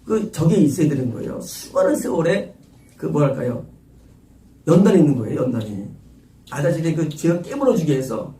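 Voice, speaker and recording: A man's voice: a little high, big pitch swings, a little fast, warm tone, a little hiss or hum. A middle-aged man preaching a sermon as pastor, emphatic and repetitive, firing off rhetorical questions. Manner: emphatic, rhetorical questions, repeats key phrases. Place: church sanctuary. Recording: roomy echo, distant mic.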